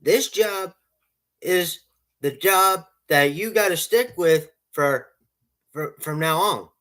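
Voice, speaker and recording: A man's voice: high voice, slow pace, fairly bright tone. A man who runs a lawn care business, giving casual, rambling advice with lots of repeats and restarts.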